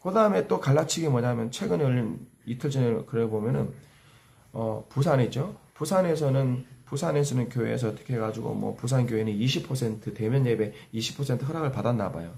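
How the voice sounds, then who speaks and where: A man's voice: medium pitch, fairly quick, gravelly, a little mellow. A man delivering angry ranting commentary as a YouTube commentator, heated and insulting. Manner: heated, insulting, repeats cursing phrases.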